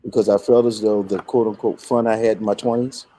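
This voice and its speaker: An older man, a bishop, telling personal reflections conversationally in a measured, emphatic way. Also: lowish voice, flat delivery, warm tone, low-quality recording. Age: middle-aged or older. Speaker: bishop, guest.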